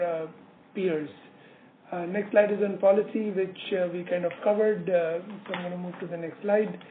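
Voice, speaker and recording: A man presenting company results as an executive on a business call, halting often with many filler words. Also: high voice. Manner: halting, hesitant delivery with frequent filler words. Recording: narrowband phone line, roomy echo, slight noise.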